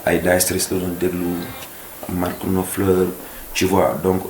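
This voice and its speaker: Deep-voiced man, earnest guest. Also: monotone, slow, darkish tone. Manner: earnest, mixing French and Wolof. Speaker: singer and guest. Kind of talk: casual interview chat. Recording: echoey room with faint noise.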